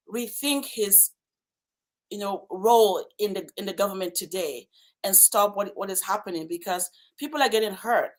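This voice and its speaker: A woman speaking in a measured, reasoning way as a panelist in a casual discussion. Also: medium pitch.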